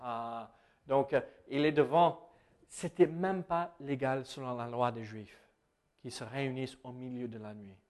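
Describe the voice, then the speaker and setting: A man's voice: medium pitch, a little slow, a little mellow. A man with an American accent, preaching a conversational sermon with many hesitations and self-corrections. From United States.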